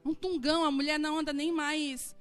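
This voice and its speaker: A woman's voice: high-pitched, fairly quick, soft background music. A woman in her forties, a pastor, preaching a sermon in a church and acting out dialogue as she tells stories. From southern Brazil. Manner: animated storytelling, acting out dialogue. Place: church hall.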